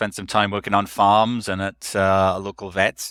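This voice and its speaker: A man speaks with a Welsh accent in a fairly low pitch and a bright, sharp tone. The recording is very clean and silent behind him, dry and close with no echo. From South Wales, Newport. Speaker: marketing and sales executive. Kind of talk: podcast interview. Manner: hesitant, many fillers.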